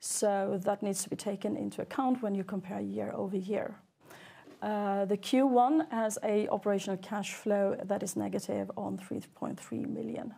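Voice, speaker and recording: A woman chief financial officer presenting figures on an earnings call in a businesslike, measured way. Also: mid-range voice, fairly even intonation, vocal fry, warm tone, husky.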